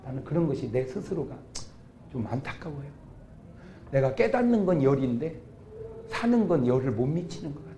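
A middle-aged man preaching a humorous revival sermon, acting out quarrels between couples in sudden loud outbursts. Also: fairly high pitch, big pitch swings, normal speed, pauses often, slight background noise. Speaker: pastor.

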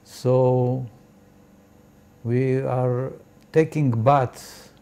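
Older guy, super slow and dark, lots of uh pauses, telling a memory in a study. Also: medium pitch, flat delivery, smooth. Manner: slow, hesitant, full of pauses and fillers. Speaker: interviewee. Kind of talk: recounting memories in an interview. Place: indoor study with bookshelves.

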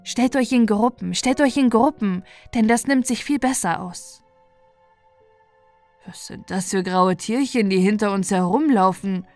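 A woman's voice: medium pitch, unhurried, a little mellow, soft background music, close to an everyday voice. Woman doing a bossy old cooing mother pigeon. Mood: bossy, condescending. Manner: cooing, repetitive commands. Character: vain, bossy old mother pigeon, self-satisfied and spiteful.

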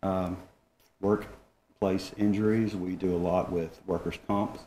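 A man in his forties, a clinic manager guesting on a local TV show, plain-spoken and steady. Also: low voice, slow, reverberant, slight background noise, rough recording. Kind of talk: TV interview guest. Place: TV studio set, seated in armchair. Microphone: lapel mic.

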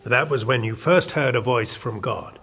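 An actor playing a worldly, patronising royal chamberlain in an audio drama, speaking in measured, formal courtly phrases. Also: male voice, mid-range voice, fairly bright tone, a little hiss or hum, close to an everyday voice. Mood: probing.

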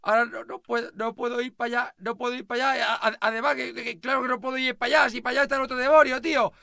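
Man, very high pitch, dry close audio, stammering, panicky, game roleplay host. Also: flat delivery, fast, gravelly, no room sound. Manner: panicky, stammering, whining and shouting. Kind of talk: Minecraft roleplay chat.

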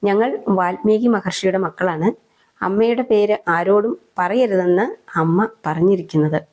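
A woman's voice: mid-range voice, unhurried, darkish tone, natural voice. A woman voicing two bold, stubborn young boys in a storybook retelling, defiant and matter-of-fact.

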